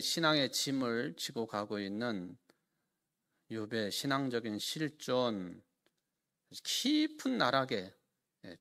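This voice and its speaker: A man's voice: mid-range voice, vocal fry, a bit bright. A man preaching a sermon as pastor in a church, with a Chungcheong Korean accent, earnest and emphatic, often asking rhetorical questions.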